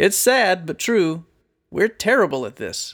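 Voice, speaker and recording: A man uses a put-on character voice with a high pitch. He speaks at a fairly slow pace in a very clean recording with a silent background. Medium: read story. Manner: nervous, earnest.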